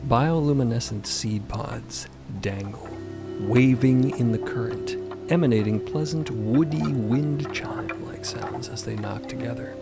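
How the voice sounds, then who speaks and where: A man's voice: medium pitch, unhurried, gravelly, over loud music. A man narrator reading scripted audio fiction.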